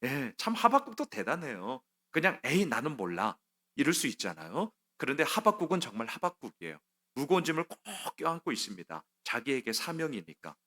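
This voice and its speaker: A man's voice: fairly high pitch, wildly swooping pitch, brisk, sharp tone. A middle-aged man preaching a Wednesday sermon as pastor. He acts out the prophet's complaints and God's replies in quoted voices, and asks the congregation questions that he answers himself.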